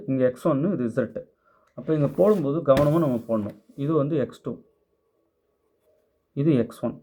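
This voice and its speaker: A man's voice: on the high side, warm tone. A man teaching maths, going through a worked problem step by step and answering students' doubts, mixing English terms into his speech. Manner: methodical, step-by-step, mixes English terms into Tamil. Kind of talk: explaining worked problems in class.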